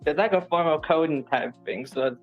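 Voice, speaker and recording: A soft-spoken young man from East London talks in a casual group chat, his multicultural London accent mixing several influences. His voice sits a little higher than most men's, and he keeps closing his lines with "though." Faint music plays underneath. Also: brisk, highs cut off. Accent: multicultural London English.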